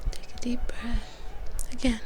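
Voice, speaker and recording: A woman plays a protective female vampire mentor in an ASMR roleplay. She whispers slowly and close to the mic, soothing and reassuring, in a fairly high voice. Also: flat delivery, lightly acted. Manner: soothing, slow, close personal attention. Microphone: close microphone for headphone listening.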